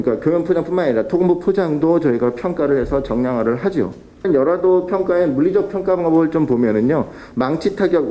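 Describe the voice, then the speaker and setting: A man's voice: a little high, mellow, lo-fi sound. A man presenting at a policy forum, explaining technical methods with fillers and restarts. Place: council hall.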